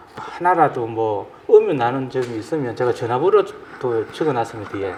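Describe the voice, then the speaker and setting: Noticeable background noise sits behind a man with a strong Gyeongsang accent who speaks fairly slowly at a fairly high pitch. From Gyeongsang Province, South Korea. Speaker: election commission official. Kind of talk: briefing session. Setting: meeting room with audience. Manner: casual, filler-heavy.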